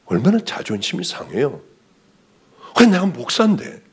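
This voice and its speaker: A male pastor preaching a sermon, telling a personal testimony with animated storytelling and acted-out dialogue. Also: a little high, normal speed, breathy edge.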